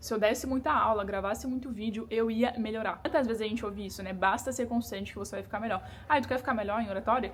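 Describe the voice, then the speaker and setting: A woman speaks at a very fast pace. Her fairly high pitch stays on fairly even intonation. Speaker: online entrepreneur and YouTuber. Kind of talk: motivational talk to camera.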